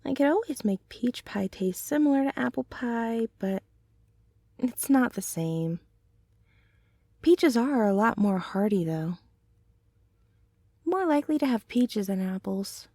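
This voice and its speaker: A woman voicing a gentle, teasing centaur girlfriend in a soothing ASMR roleplay, with breathy murmurs and soft sighs. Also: fairly high pitch, animated, unhurried, pauses often, no echo, studio quality. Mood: cheerful, chatty. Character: gentle, caring, teasing female centaur girlfriend, hardworking farmer.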